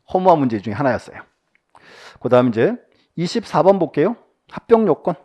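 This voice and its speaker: A man teaching an exam-prep lecture, reading questions aloud and firing quick rhetorical questions at his listeners, with soft near-whispered asides. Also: mid-range voice.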